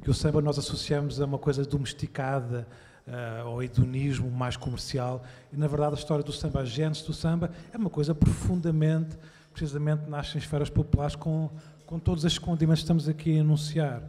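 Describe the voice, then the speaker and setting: Man, debate panelist, mellow low-toned timbre, reverberant hall. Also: steady tone, fairly quick. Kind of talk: reflective panel talk.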